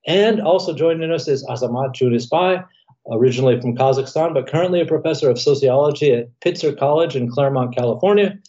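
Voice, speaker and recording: A man hosting a current affairs podcast, reading a formal, measured introduction of his guests. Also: a little high, dark tone, lo-fi sound. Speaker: podcast host. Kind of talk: scripted show introduction.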